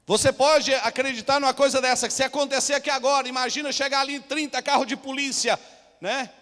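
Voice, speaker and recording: A Brazilian pastor with a strikingly high-pitched voice preaches a storytelling sermon, often calling out to his congregation. His voice carries a long church hall reverb, with each phrase trailing off into the room. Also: steady tone, fast talker, fairly bright tone. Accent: Brazilian Portuguese.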